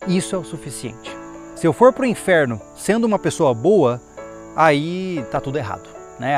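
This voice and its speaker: A man sharing a personal conversion testimony in a casual, rambling way, often restarting and thinking aloud, with an earnest, emotional tone. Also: a little high. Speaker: testimony speaker. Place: outdoors, insects and a plane audible.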